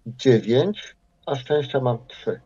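A man's voice: medium pitch, lively intonation, slow, dark tone. A man playing a tabletop game, hesitantly narrating what his character does, searching for words. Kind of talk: storytelling of character actions. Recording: dull, muffled voice-call audio.

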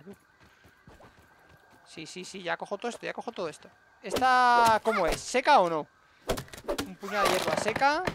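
A man's voice: high-pitched, creaky, a bit bright, slight background noise. A man with a Spain Spanish accent giving let's-play commentary, muttering to himself and bursting into exclamations, recorded on a desk mic at home. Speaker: gaming streamer.

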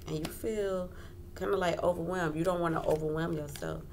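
A woman's voice: lowish voice, fairly even intonation, normal speed. A woman giving a casual tarot reading as host, talking informally, repeating phrases and checking in often. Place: indoors at a wooden table. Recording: clearly noisy home recording.

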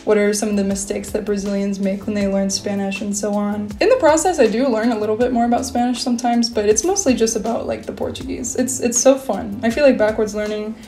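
In her twenties and speaking English as her first language, a woman vlogs casually to camera from her small bedroom. She's a fast, mid-range talker who rarely pauses, chatty and filler-heavy, and she uses lively hand gestures as she goes.

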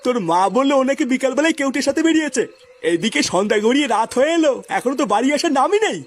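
A man's voice: extremely high pitch, animated, very fast. A man voicing a grumbling, scolding old village grandfather in an amateur comedy cartoon. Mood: exasperated worry. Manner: scolding, exasperated.

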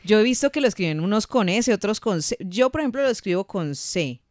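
A Colombian woman hosting a radio show in the studio, briskly reading out listener questions. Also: mid-range voice, animated, darkish tone, no echo. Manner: brisk, reads listener questions, quick acknowledgements. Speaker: radio host.

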